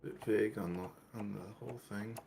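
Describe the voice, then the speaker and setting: A man's voice: lowish voice, steady tone, normal speed, vocal fry, a little mellow, slight background noise. A man playing a video game and chatting casually as he reacts to it. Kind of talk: casual gameplay chat.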